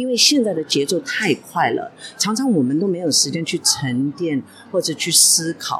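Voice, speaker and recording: A woman's fairly low voice with very wide pitch swings at a moderate pace, amid noticeable background noise. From Hong Kong. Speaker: gallery owner. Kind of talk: interview. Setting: art fair floor.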